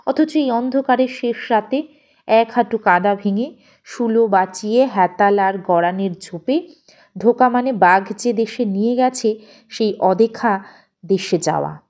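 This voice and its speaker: A woman narrates a literary story with a soft, mellow tone. Her pitch sits in an ordinary middle range for a woman. She reads in a measured, expressive way, shaping the phrases for drama. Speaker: audio story narrator and presenter.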